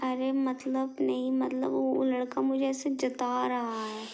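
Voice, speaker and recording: Young girl on a couples call, high voice but creaky, explaining herself in bits. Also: monotone, slow, darkish tone. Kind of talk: casual relationship argument on a call.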